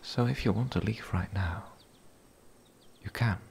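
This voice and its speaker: A very low, creaky male voice for a gentle, lonely werewolf played by a man in an ASMR roleplay. He whispers much of the time, shy and hesitant, with soft breathy phrasing. A light hiss and ambience sit behind him. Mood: hesitant, wistful. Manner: hesitant, halting, soft-spoken.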